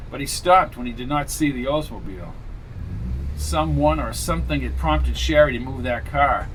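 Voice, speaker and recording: A man reading thriller narration in a steady, measured way. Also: a little high, a little hiss or hum. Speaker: audiobook narrator.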